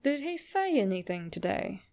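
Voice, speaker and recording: A woman voicing a grave, measured male physician with formal, deliberate speech in a dramatic horror reading. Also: medium pitch, very animated, a little mellow. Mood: probing.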